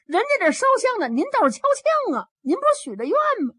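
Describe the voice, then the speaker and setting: A woman doing a shrill little Taoist boy. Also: wildly swooping pitch, fast, no echo, clean studio sound, heavily acted. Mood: scolding. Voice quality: shrill and squealing. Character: young boy Taoist acolyte, whiny and tearful.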